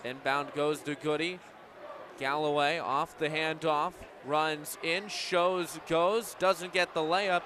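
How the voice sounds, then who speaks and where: A young adult American man works as a radio play-by-play broadcaster, calling live sports in a slightly high voice with a steady tone and slow pace. The live game broadcast has crowd and game noise behind him.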